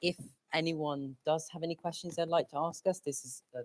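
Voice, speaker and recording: Young adult giving a public talk, plain explainy way of speaking, medium pitch. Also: fairly even intonation, fairly quick, noisy background. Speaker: speaker at a commemorative event.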